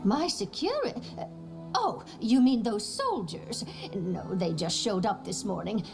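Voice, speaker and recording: A woman playing a dotty, wealthy little old lady with a halting, fluttery, imperious manner. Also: medium pitch, big pitch swings, creaky, over music. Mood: flustered, indignant.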